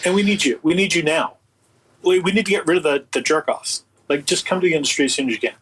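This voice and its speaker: A man with a slightly husky voice speaking as an interview guest in casual, emphatic, opinionated, rambling talk. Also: fairly high pitch, fast, fairly bright tone, slight background noise, poor audio. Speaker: guest, audio producer and writer.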